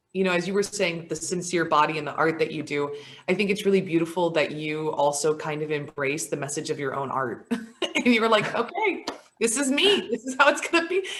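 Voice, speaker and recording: A woman's fairly low, lively voice at a fairly quick pace, with noticeable background noise. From USA. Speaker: artist. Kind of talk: casual chat. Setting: video call.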